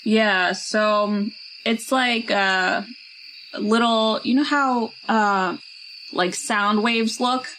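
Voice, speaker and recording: A woman's voice: medium pitch, drawn-out words, a bit bright, poor audio. A woman player in a tabletop role-playing game, chatting casually and improvising in a laid-back, hesitant, slangy way. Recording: faint noise with night insects and owls.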